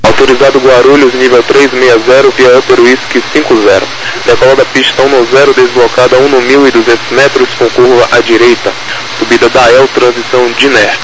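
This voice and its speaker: A Brazilian man reading formulaic clearances as an air traffic controller over crackly military-style radio. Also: mid-range voice, little pitch movement, a little fast. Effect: radio transmission. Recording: crackly, noisy aviation radio.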